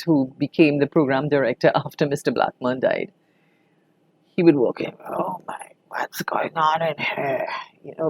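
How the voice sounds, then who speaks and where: A woman's voice: sits low, darkish tone, dry recording. An older woman with a Trinidadian accent reminiscing conversationally in an interview, telling anecdotes expressively as a veteran broadcaster.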